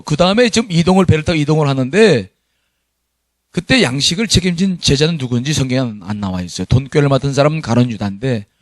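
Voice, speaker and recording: A middle-aged man preaching to his congregation, his fairly high voice swinging widely in pitch as he stresses his points. He reads scripture aloud and laughs at himself now and then. The sound is close and dry, with no room echo. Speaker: pastor. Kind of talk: sermon.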